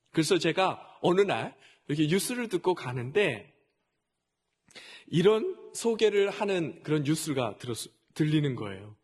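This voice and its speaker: A man's voice: a little high, husky. A middle-aged male pastor preaching a sermon, telling a personal story and often addressing the congregation directly.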